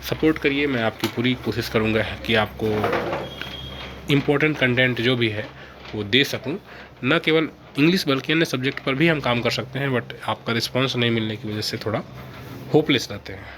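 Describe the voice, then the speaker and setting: A man's voice: mid-range voice, moderate pace, a bit bright. A young man teaching an exam-prep grammar lesson, explaining step by step, asking questions and answering them himself, mixing English terms into his talk. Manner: mixes English terms into Hindi. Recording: faint background noise.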